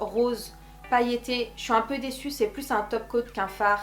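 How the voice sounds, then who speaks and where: Music plays in the background as a woman speaks. Her pitch is high and her pace fairly slow. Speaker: beauty youtuber. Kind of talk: product review.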